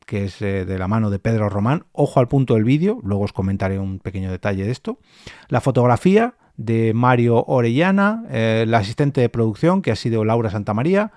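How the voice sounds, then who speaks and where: This solo podcast's host and producer, a man with an accent from Spain, talks conversationally and speaks straight to his audience. The studio-quality recording has no echo and carries his darkish, medium-pitched voice.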